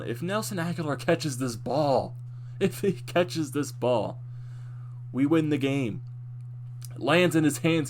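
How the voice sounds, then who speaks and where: A young man giving a casual, animated recap of a football game as a fan, his voice slightly worn and going at times. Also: medium pitch, a little hiss or hum. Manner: excited, animated fan recap with frequent restarts. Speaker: sports fan commentator.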